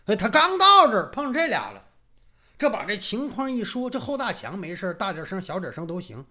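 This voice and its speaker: Male storyteller, lively pitch swings, bright, emphatic delivery. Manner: animated, emphatic, drawn-out phrases. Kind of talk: traditional storytelling.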